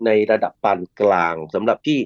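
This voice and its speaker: A man's voice: brisk, no echo, highs cut off. A middle-aged man, a guest expert on a talk show, explains at length, with polite particles and the odd repeated word.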